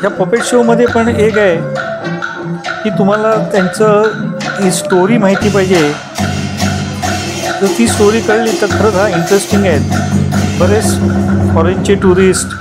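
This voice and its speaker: A man narrates a travel vlog in an explanatory way, pausing and restarting mid-sentence. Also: sits high, fairly even intonation. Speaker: travel vlogger. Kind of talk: unscripted vlog voice-over narration. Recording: loud instrumental music behind voice. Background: loud music with instruments.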